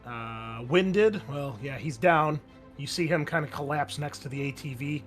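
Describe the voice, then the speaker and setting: A man's voice: a little high, unhurried, soft background music. A man narrating a tabletop roleplaying game as game master, describing scenes in a casual, improvised way.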